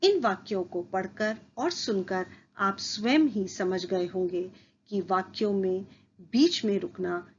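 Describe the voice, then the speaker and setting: A woman teacher giving a slow, careful, scripted school lesson. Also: medium pitch, muffled recording, slight background noise. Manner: slow, careful, deliberate delivery.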